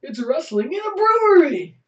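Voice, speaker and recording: Hoarse joking man, echoey lo-fi webcast. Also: very high-pitched, very animated, normal speed. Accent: Chicago. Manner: joking, teasing banter. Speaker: podcast co-host. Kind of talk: casual chat. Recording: echoey room, dull lo-fi sound.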